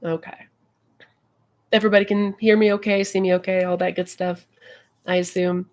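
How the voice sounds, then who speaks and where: Woman host, lowish voice, a bit stuffy and nasal, chatty livestream delivery with fillers. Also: little pitch movement, moderate pace, a little mellow. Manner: friendly, chatty, many fillers. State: stuffy, slightly nasal from a cold. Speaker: manifestation coach hosting a live Q&A. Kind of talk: casual livestream chat.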